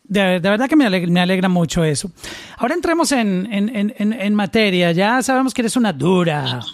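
High-voiced Colombian man hosting. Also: big pitch swings, fairly quick, no room sound, studio quality. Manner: chatty, reads out a long list of names, jokes about his pronunciation. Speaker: interview host. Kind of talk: casual interview conversation.

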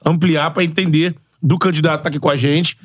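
A man's voice: a little high, steady tone, fast talker. A man co-hosting a podcast interview, casual and thinking aloud as he talks. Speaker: podcast co-host.

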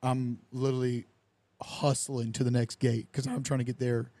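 A man's voice: medium pitch, normal speed, no room sound. A young man, a podcast host telling a story in casual chat and acting out the people in it. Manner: animated storyteller who acts out quoted dialogue with lively voices.

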